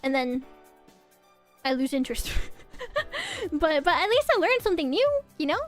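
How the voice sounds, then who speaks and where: A woman's voice: high voice, very animated, moderate pace, faint music behind. A young woman from Norway, chatting casually with her stream viewers and often restarting and repeating her words.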